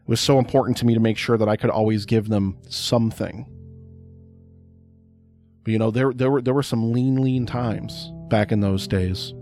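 A middle-aged man with a loud, projecting voice, hosting a podcast and telling a rambling personal story in a casual, chatty way. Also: lowish voice, fairly even intonation, moderate pace, soft background music. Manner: rambling, chatty, repeats words for emphasis. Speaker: podcast host.

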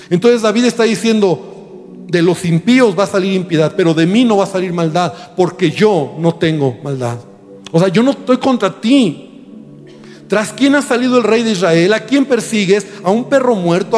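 Guy preaching a sermon, high voice, keeps asking questions, hall reverb. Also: darkish tone. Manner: explains scripture with frequent rhetorical questions.

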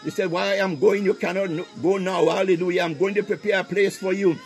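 A man's voice: sits high, fairly even intonation, a little fast. A man leading a fervent, unscripted Christian prayer as a preacher, impassioned and punctuating his phrases with exclamations of praise.

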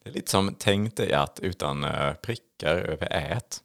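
A man's voice: low-pitched, gravelly, a bit bright. A man co-hosting a casual podcast, leading the topics and talking with frequent hesitations and restarts. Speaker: podcast co-host. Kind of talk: casual chat.

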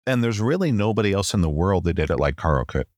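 Low-voiced man telling a story. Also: quick pace, dry recording, studio quality. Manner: animated storyteller, often says "long story short" and "right?". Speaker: podcast guest. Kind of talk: storytelling in a conversation.

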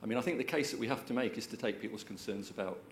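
A man in the audience making a measured, reasoned point. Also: lowish voice, a little hiss or hum. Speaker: audience member. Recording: roomy echo, faint ambience.

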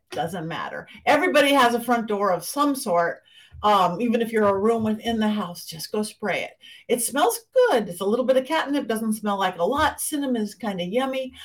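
A woman's voice: a little high, distant mic. A woman hosting a talk show, chatty and enthusiastic as she teaches a simple spell and interviews a guest. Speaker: host. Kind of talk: podcast host interview and spell lesson.

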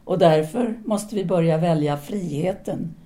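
Audio drama role: self-assured woman intellectual played by an actress, seductive, formal and articulate, dark mellow voice. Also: lowish voice, lightly acted. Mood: earnest, philosophical. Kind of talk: audio drama dialogue acting.

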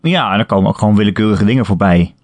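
A man with a fairly low voice chats in a relaxed, hesitant way as a podcast co-host. The sound is dry and close, with no room echo around it. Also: rapid-fire. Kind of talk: casual chat.

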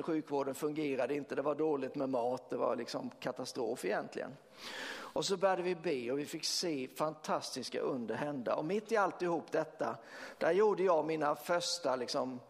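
A man preaching as pastor, telling a story in a lively way with fillers and laughter. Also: a little high. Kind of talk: sermon storytelling. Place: church hall. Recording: long church reverb.

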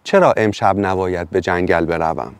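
A man's voice: low voice, vocal fry, clean tone, no room sound, voice pushed down. A man voicing a brave, stubborn young village girl in a storybook reading, speaking earnestly.

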